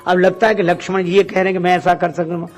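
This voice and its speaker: This man's high voice comes out flat and fast, with faint music in the background. His devotional Hindu discourse recounts Ramayana episodes storyteller-fashion, full of rhetorical questions, acted-out dialogue and recited verses.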